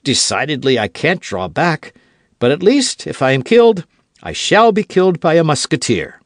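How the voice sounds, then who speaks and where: A man voicing a hot-headed young Gascon swordsman who talks high and loud, full of pride and quick to take offence. His lines leap up and swoop back down, eager and challenging, read close to a dry mic in an audiobook. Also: huge pitch swings, dry recording. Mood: defiant. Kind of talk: audiobook character voice.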